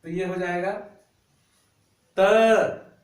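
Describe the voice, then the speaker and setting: Slow, patient man teaching in an echoey room. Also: sits high, animated. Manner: slow, patient, drawing out syllables for students to copy. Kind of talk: classroom lesson explaining grammar at a board. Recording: roomy echo, voice a bit far from the mic.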